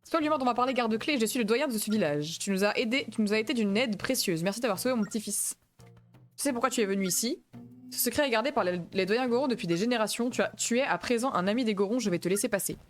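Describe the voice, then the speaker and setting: A woman's voice: fairly high pitch, lively intonation, fast, faint music behind, natural voice. A woman reading an old Goron village elder. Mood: solemn. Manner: reads the game text aloud plainly.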